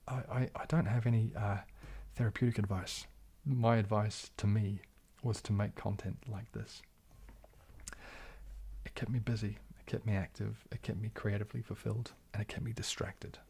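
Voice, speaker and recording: A young man hosting a casual livestream Q&A, soft-spoken and often slipping into a whisper. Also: on the low side, level tone, normal speed, gravelly, breathy edge. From New Zealand. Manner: soft-spoken, drifting into whispers, frequent restarts. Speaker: ASMR livestream host.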